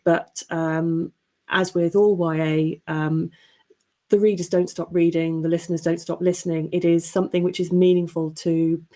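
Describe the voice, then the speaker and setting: Mellow, lower-voiced woman on a panel. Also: flat delivery, normal speed. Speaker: podcast editor, panelist. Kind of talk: considered panel discussion talk.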